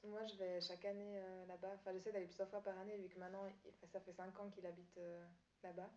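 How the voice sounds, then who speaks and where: Soft-toned woman answering interview questions. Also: mid-range voice, level tone, fast talker. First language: Italian. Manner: hesitant, many fillers and restarts. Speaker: student teacher. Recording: dull echoey room recording.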